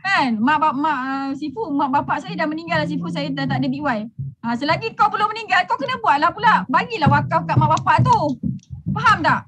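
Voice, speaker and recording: A woman's voice: high-pitched, animated, brisk, fairly bright tone, soft background music. A middle-aged woman with a Malaysian Malay accent, giving a brash, teasing motivational talk to a group as a business mentor, laughing often.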